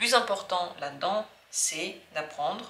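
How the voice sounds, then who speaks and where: Woman with a calm, soothing tone and lively intonation at a fairly slow pace, over noticeable background noise. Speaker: tarot reader. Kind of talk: tarot reading video.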